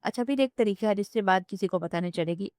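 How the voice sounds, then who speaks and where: A woman's voice: medium pitch, a little mellow, dry recording, clean studio sound, natural voice. A woman voicing a cheeky, bossy young woman cousin in a storybook romance, speaking in an offhand, bargaining tone.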